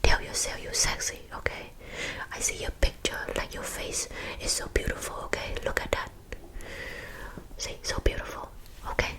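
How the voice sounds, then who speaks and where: A woman's voice: moderate pace, close to an everyday voice. A woman playing a blunt, encouraging counselor with an East Asian accent in a whispered role-play, often checking in with the listener. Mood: frank, reassuring. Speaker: counselor giving advice.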